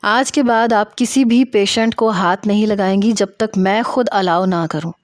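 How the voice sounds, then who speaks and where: A woman's voice: medium pitch, no room sound, clean studio sound, lightly acted. Woman acting a stern, furious male doctor. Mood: cold, strict. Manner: harsh, emphatic, reprimanding.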